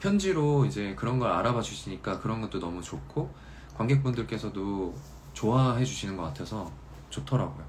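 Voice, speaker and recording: A man's medium-pitched voice with very wide pitch swings, set against audible room echo and noticeable background noise. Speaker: musical theatre actor. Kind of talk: casual livestream chat reading viewer comments. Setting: Instagram live stream.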